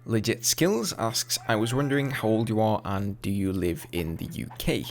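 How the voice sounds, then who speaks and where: A man in his twenties with an English accent, casually answering viewer questions over gameplay footage in a relaxed, chatty way. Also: lowish voice, moderate pace, a little hiss or hum. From England. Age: 20s. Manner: chatty, relaxed, with fillers and asides. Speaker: gaming YouTuber.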